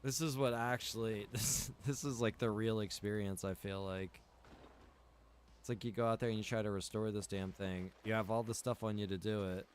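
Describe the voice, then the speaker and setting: A man's voice: fairly low pitch, fairly even intonation, moderate pace, a little hiss or hum. A man giving casual, rambling livestream commentary while gaming, repeating phrases for emphasis. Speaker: game streamer and roleplay server co-owner.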